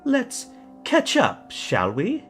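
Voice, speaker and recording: Wildly lilting, mock-polite villain. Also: male voice, very high-pitched, huge pitch swings, extremely slow, fairly bright tone, faint music behind, heavily acted. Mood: gloating, falsely friendly. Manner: theatrical, mock-courteous, patronizing, lilting. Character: suavely menacing male villain, mock-polite captor. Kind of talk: audio drama acting.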